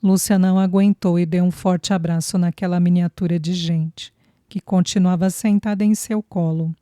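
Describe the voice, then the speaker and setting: A woman narrating an audiobook in a calm, measured way on a close studio mic. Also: fairly low pitch, no room sound. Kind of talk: scripted narration.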